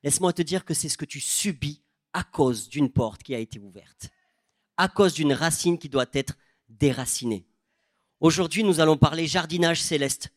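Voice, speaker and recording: Preacher from southern France, southern accent. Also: male voice, on the high side, moderate pace, dry recording, clean studio sound. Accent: southern French. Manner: animated storytelling, quoting people in changed voices. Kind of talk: sermon.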